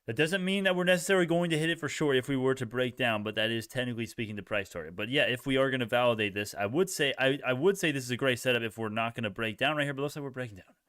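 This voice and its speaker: A man's voice: medium pitch, rapid-fire, a bit bright, no room sound, clean studio sound. A young man hosting a casual live stock-trading stream, reacting to chat in informal bro slang and often repeating himself as he thinks aloud. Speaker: livestream host, retail stock trader.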